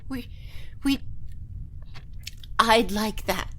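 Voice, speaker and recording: A woman's voice: on the high side, very slow, pushed and bright, full character voice. An actress playing Anna, an earnest young woman in a retro sci-fi radio drama, pleading and stammering when upset. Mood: tender. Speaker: first-person narrator and lead. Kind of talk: golden-age style radio drama acting.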